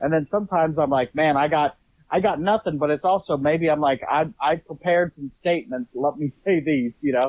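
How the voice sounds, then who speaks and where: Speaking at a fairly quick pace, a man with a fairly high pitch shows ordinary pitch variation. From Indianapolis, Indiana. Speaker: comedian. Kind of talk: casual interview chat.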